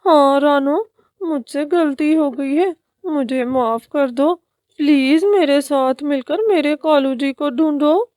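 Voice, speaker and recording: A woman's voice: high-pitched, darkish tone, no room sound, studio quality, voice pushed up, close to an everyday voice. Woman doing a coaxing crow wife in a cartoon. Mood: pleading. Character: scheming female crow wife.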